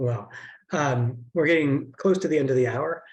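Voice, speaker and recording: The somewhat breathy voice moves at a moderate pace with ordinary pitch variation. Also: man. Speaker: film club moderator. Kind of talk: online group discussion. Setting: video call.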